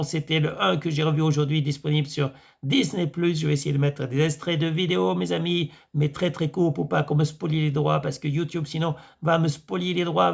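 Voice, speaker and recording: A French-accented man talks casually to his camera, his voice hoarse and gravelly. He sits a bit high for a man and wanders through his points with fillers, restarts and asides. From France. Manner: rambling, many fillers and restarts. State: hoarse, voice tiring. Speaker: YouTube vlogger reviewing films.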